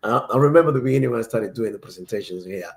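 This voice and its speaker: Man, cuban accent, native spanish speaker, fairly low voice, emphatic casual chat. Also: lively intonation, gravelly. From Cuba. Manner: emphatic, repeats words, halting.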